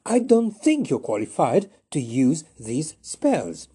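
A lofty, superior boy wizard in an improvised storytelling, as a man puts him on, his voice pitched well above a grown man's and swooping up and down. The tone is husky and a little dark. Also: huge pitch swings, takes it slowly, exaggerated voice. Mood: haughty.

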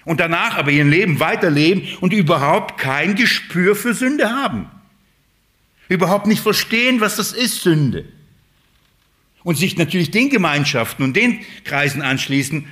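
A man preaching a sermon, emphatic, swinging between loud and hushed, and asking the congregation rhetorical questions. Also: a little high, lively intonation, moderate pace.

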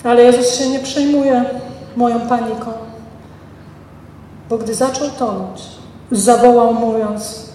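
High-voiced woman preaching in an echoey hall. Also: slight background noise. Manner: expressive preaching, reads scripture then dramatizes it; ends in prayer. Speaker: pastor. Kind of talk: sermon. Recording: reverberant hall from a distance, faint ambience.

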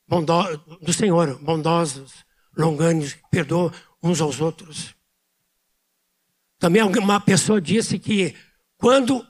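A man preaching a sermon as pastor, speaking loudly with pauses and emphatic repetition. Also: high voice. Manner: speaks loudly by his own account.

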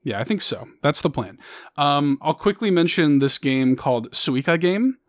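A man's voice: fairly high pitch, expressive, moderate pace, dry recording, studio quality. A man hosting a podcast, chatting casually and rambling with lots of fillers. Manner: rambling, many fillers, upbeat. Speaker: podcast host.

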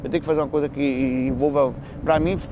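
A man's voice: mid-range voice, fairly even intonation, fast talker, background noise. A man with a Bahian Brazilian accent chats in a casual, rambling, playful way, full of slang and restarts. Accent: Bahian Brazilian Portuguese. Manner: colloquial, slangy, playful, with repeated false starts and self-interruptions. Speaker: speaker answering audience questions on spirituality and lifestyle.

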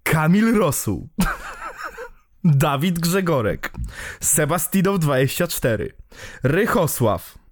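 Laughing, lively Polish podcast host guy. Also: fairly high pitch. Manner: laughs often, swears, repeats himself. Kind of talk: casual chat.

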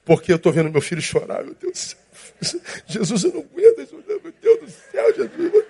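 Um homem com sotaque brasileiro fazendo um pai aflito que se lamenta em voz aguda porque o filho chora. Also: male voice, wildly swooping pitch, a little fast, creaky, dark tone, full character voice. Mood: anguished. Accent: Brazilian Portuguese. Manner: wailing, high-pitched lament. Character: frantic parent wailing over crying baby.

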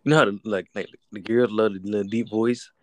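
A man's voice: fairly low pitch, fairly even intonation, brisk. A man with a South Carolina accent co-hosting a casual podcast in a laid-back, slangy way. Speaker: podcast co-host. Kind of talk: casual chat.

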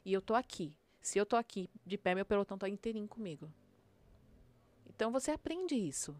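A woman's voice: medium pitch, big pitch swings, brisk, a little mellow. A woman police sergeant with a São Paulo accent, talking bluntly and with slang in a casual interview. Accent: São Paulo Portuguese. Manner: blunt, slangy, acts out street commands.

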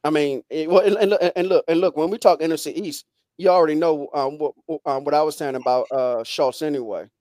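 Higher-voiced man hosting casual sports talk. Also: fairly quick, dark tone, no room sound, studio quality. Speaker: podcast host.

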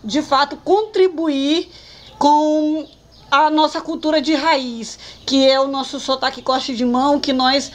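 A woman's voice: high voice, steady tone, a little slow. A woman, a cultural agent speaking earnestly in an interview. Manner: earnest, with frequent "né". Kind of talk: interview testimony.

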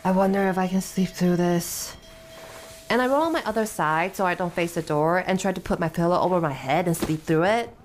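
Female tabletop player, slightly low voice, casual laid-back improvising, faint background noise. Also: a little fast.

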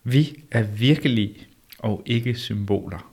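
A man reading the part of the old prophet Elijah in a measured, insistent way, during an amateur read-through. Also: on the low side, a little mellow, breathy edge. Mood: solemn. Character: old male prophet Elijah, calm and solemn.

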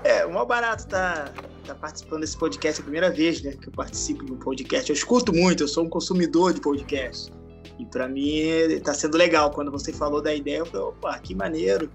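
A man's voice: on the high side, gravelly, soft background music. Laid-back Rio man in his forties. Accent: Rio de Janeiro Brazilian Portuguese. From Araruama, Rio de Janeiro state, Brazil. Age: 40s. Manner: relaxed, laughs often, drawn-out slang-filled storytelling. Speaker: podcast guest, skateboarder. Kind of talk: casual storytelling interview.

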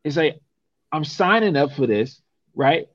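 A man's voice: on the high side, animated, a little slow, no room sound, highs cut off. A young man from San Francisco, talking casually and emphatically, often ending points with a rhetorical "right?". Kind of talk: casual conversation.

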